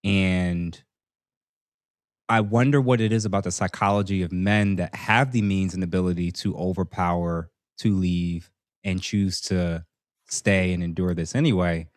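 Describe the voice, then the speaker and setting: A man with a low voice hosts a casual podcast panel, talking through his questions in a relaxed, meandering way. The sound is dry and close, with little room echo. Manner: relaxed, drawn-out thinking aloud with fillers. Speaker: podcast host.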